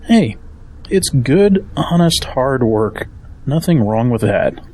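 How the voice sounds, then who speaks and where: An actor playing a middle-aged, upright Christian father in an audio drama, firm and measured in a fatherly way. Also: medium pitch, sing-song, a little mellow. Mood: earnest, encouraging.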